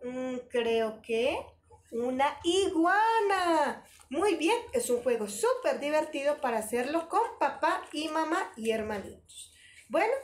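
Sing-song woman, lively preschool teacher. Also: sits high, slight background noise. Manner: sing-song, exaggerated, encouraging. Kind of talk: online preschool lesson.

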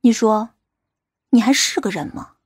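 An actress playing a stern, sharp-tongued female police team leader in an audiobook, commanding and scolding. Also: fairly high pitch, moderate pace, slightly rough, no room sound, studio quality. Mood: angry. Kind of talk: acted audiobook dialogue.

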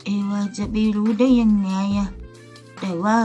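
A woman voicing a sweet, pouty young male mermaid who pleads and coaxes in a high voice, over faint music. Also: little pitch movement, unhurried, mellow, close to an everyday voice. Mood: coaxing. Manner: pleading, whiny and coaxing.

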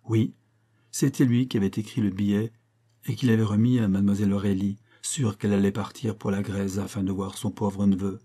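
A man narrating an audiobook in a measured storytelling manner. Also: fairly low pitch, level tone, mellow. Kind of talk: scripted narration.

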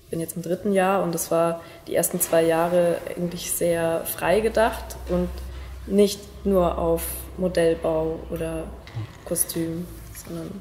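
Twenties woman from Munich, student interview, hesitant and flat, noisy roomy sound. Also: on the low side. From Munich, Germany. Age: 20s. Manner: hesitant, many "ähm". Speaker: stage design student. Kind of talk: casual interview talk. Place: indoor studio room. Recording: echoey room with audible noise.

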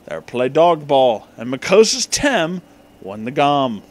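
A man's voice: medium pitch, sing-song, slow pace. A man hosting a comedic reading of fan fiction, mockingly sounding out misspellings as written, with amused asides.

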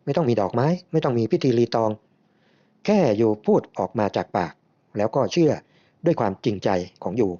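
A man voicing a soft-spoken, patient, devout Filipina woman who talks slowly and calmly. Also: medium pitch, natural voice. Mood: gentle. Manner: slow, calm, coaxing delivery. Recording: slightly muffled lo-fi recording.

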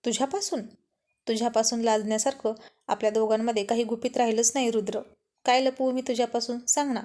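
A defiant, headstrong young woman argues her case with teasing stubbornness, as a woman storyteller reads her part. Her voice sits a little high. It is an audio love story told in one reader's voice. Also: steady tone, fast talker, dark tone, close to an everyday voice.

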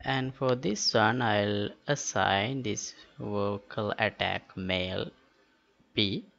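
A man walks through a software tutorial, slowly and haltingly. His voice has a creaky edge and stays matter-of-fact. The recording is dull and lo-fi. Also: fairly low pitch. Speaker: tutorial host. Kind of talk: step-by-step software tutorial narration. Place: indoors, screen-recording voice-over. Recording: dull lo-fi voice-over with clicks.

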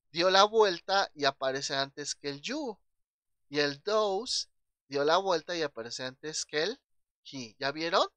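A man's voice: a little high, pushed and bright, dry recording. A man with a Mexican Spanish accent teaching an English grammar lesson, patient and checking in often with his class.

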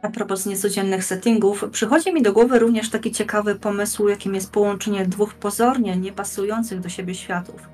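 A young woman presents as a podcast guest in a medium-pitched voice. Her phrasing is formal and measured, like prepared explanation, with quiet music underneath. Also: steady tone. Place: indoors, plain-walled room on video call. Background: faint music.

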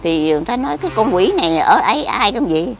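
A frail older woman rambles and repeats herself in casual conversation while being interviewed outdoors by a cemetery. She speaks fast in a sing-song, mid-range voice and sounds weak.

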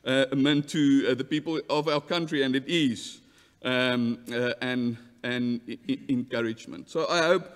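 A man's voice: on the high side, a bit bright. A man in his thirties from South Africa with an Afrikaans accent, a church delegate earnestly addressing an assembly from a lectern, often restarting words. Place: large church hall. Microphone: lectern mic. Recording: long hall reverb.

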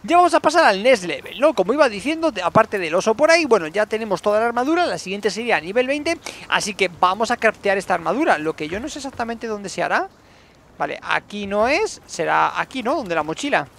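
A man commentating his survival game playthrough, excitable, shouting when fights turn chaotic. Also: sits high, quick pace, vocal fry. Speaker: gaming YouTuber. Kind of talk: let's play commentary.

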